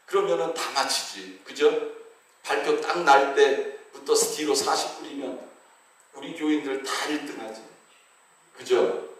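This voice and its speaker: A man's voice: mid-range voice, a little slow, long pauses, a bit bright. A man pastor preaching a sermon in a church. He keeps asking the congregation questions and answering them, and he acts out the voices of biblical figures. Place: church sanctuary. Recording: very echoey hall, heard from a distance.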